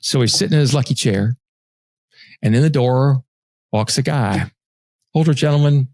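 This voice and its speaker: A middle-aged man spins a casual, profane story as a podcast host. His voice sits at an ordinary male pitch and is recorded very dry, with no room sound at all. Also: moderate pace, vocal fry, a little mellow, dry recording. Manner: profane, conversational.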